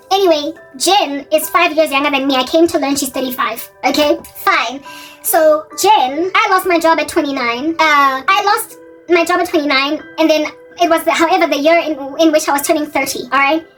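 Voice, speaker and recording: South African woman, 40s, high voice, rambling vlog talk, distant mic, faint music underneath. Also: a little fast, a bit bright. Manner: rambling, often correcting and repeating herself. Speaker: faith vlogger. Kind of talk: casual talking-head monologue.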